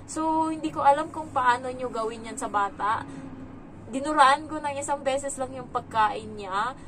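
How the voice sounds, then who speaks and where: A woman's voice: sits high, normal speed, fairly bright tone, slight background noise, poor audio. A woman from the Philippines, a domestic helper, telling a story in a casual vlog and switching between Tagalog and English.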